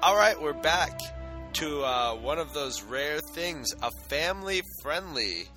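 A man's voice: a little high, lively intonation, slow, music in the background. A man co-hosting a podcast in casual chat, talking in a jokey, rambling way. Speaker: podcast co-host.

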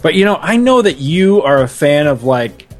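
A man's voice: fairly high pitch, very animated, moderate pace, soft background music. A man hosting a podcast in a chatty, slangy, casual style. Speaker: podcast host. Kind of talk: casual chat.

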